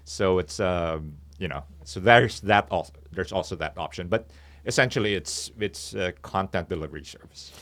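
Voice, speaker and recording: A man speaking as a company founder and interview guest in a studio, explaining in a halting way as he pieces his thoughts together. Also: sits low, fairly bright tone. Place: podcast studio.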